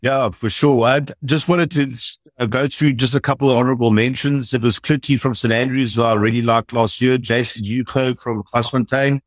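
A man with a mid-pitched voice chats loosely about his rugby picks and is quick to laugh at his own mistakes. His voice sounds dry and close to the mic. It is an easygoing podcast discussion. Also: steady tone, no room sound. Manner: chatty, self-deprecating. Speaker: rugby analyst.

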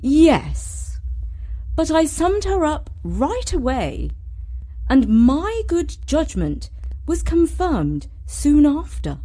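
A man's voice: extremely high pitch, huge pitch swings, very slow, warm tone, voice pushed up, full character voice, rough recording. A man voicing a formidable, haughty upper-class lady in a storybook, with a pompous, emphatic delivery. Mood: indignant.

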